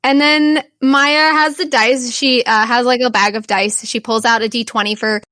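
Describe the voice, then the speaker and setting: A woman's voice: on the high side, fairly even intonation, moderate pace, bright, forceful tone, dry recording. A woman hosting as game master, narrating an improvised tabletop game. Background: background music.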